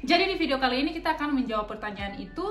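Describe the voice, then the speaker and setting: A woman from Maluku co-hosting a casual vlog at home, talking lively to viewers and laughing often. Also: sits high, racing, faint music behind. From Maluku, Indonesia. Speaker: vlog co-host. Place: home room. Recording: echoey room.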